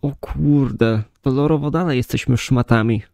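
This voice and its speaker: A man's voice: mid-range voice, moderate pace, creaky, a little mellow, no room sound, studio quality. A man giving casual let's play commentary as a gamer, reacting in short asides and swearing. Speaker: gaming streamer. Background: game music.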